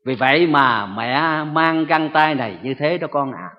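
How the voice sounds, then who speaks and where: A man's voice: fairly high pitch, lively intonation, a little slow, pitched below the performer's own voice. A man voicing a sorrowful tender mother. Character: grieving mother explaining her sacrifice. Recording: echoey hall, dull lo-fi sound.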